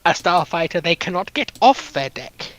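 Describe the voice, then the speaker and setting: A man's voice: fairly high pitch, very animated, normal speed, fairly bright tone. A man talking casually in a panel discussion of military history.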